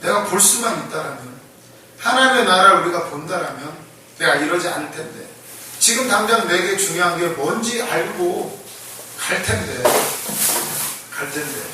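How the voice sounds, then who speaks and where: Animated preacher in an echoey church. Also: male voice, sits high, normal speed, a little hiss or hum. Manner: animated, acts out the blind men's shouting, laughs often. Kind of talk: conversational sermon. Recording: echoey room, voice from far off the mic.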